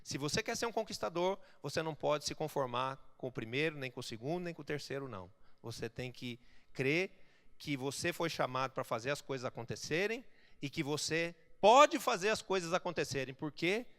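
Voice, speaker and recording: A man preaching a sermon as a pastor, emphatic and building to loud exhortations. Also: a little high, expressive, brisk. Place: church. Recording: reverberant church hall.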